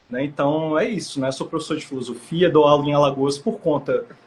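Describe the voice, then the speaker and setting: A man at a moderate pace in a fairly high pitch. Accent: São Paulo. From Recife, northeastern Brazil. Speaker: philosophy professor and activist. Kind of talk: casual interview on a live stream.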